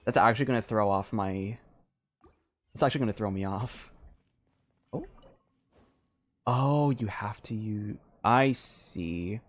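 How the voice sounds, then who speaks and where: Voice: mid-range voice, unhurried, pauses often. A video game streamer giving casual live gameplay commentary, thinking aloud hesitantly and often trailing off mid-sentence.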